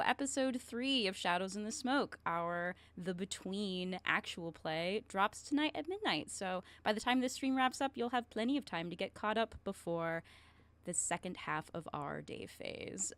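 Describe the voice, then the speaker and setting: A woman's voice: medium pitch, a bit bright, smooth. A woman hosting a stream, chatting casually as she introduces things to viewers. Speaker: stream host. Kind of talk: casual chat, introducing guests.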